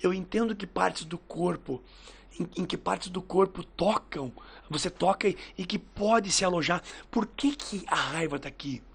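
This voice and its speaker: A man with a fairly high, husky voice and a gravelly edge tells stories in a relaxed podcast chat. He acts out what people said in lively little voices. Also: moderate pace. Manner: lively storyteller who acts out quoted dialogue. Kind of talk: casual podcast chat, storytelling.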